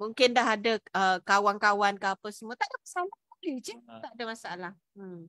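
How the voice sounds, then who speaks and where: Speaking at a fairly quick pace, a woman with a fairly high pitch and a bright, sharp tone shows ordinary pitch variation and big swings in loudness, in a dry sound with no echo against a quiet background. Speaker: business co-founder; business coach. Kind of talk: online coaching webinar. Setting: video call. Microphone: studio mic.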